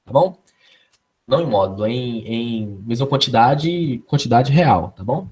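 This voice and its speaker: A man's voice: mid-range voice, animated, unhurried, a little mellow, slightly rough. A man with a Brazilian Portuguese accent teaching a live online physics class, casual and constantly checking in with his students.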